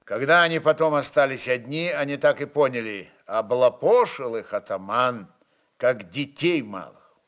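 A man narrating a literary story in an expressive, dramatized reading style. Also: mid-range voice, moderate pace.

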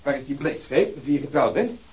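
An actor playing a blunt, impatient police detective who talks in a mocking, provocative way. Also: male voice, medium pitch, lively intonation, quick pace, background noise, lightly acted. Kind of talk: radio play acting.

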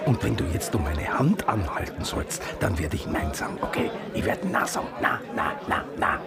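An actor playing an embittered, stubborn gay activist in a German radio drama, with a rough, husky voice and emphatic delivery. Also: male voice, low voice, wildly swooping pitch, moderate pace, over loud music, over a noisy crowd, heavily acted. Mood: tense, refusing. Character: embittered, defiant gay activist man named Boris.

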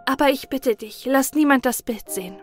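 A gentle young bride from a fairy-tale audiobook, voiced by a woman. She asks innocent questions in a high, soft voice. Faint music plays behind. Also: normal speed.

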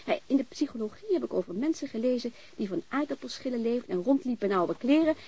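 An actress playing a blunt, warm-hearted, talkative landlady in a naturalistic radio drama, informal and frank. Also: fairly high pitch, animated, fast, slightly rough. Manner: informal, chatty, frank, mild swearing.

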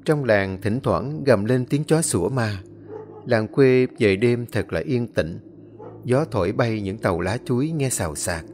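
A man narrating a ghost story in slow, measured storytelling. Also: medium pitch, lively intonation, darkish tone, a little hiss or hum.

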